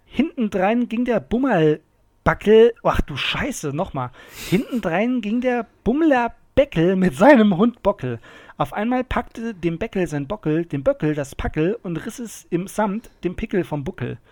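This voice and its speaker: A man chatting casually as a podcast co-host, playful and quick to laugh as he stumbles through tongue twisters. The sound is dry and close, with no room behind him. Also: sits high, expressive, a little mellow, no echo.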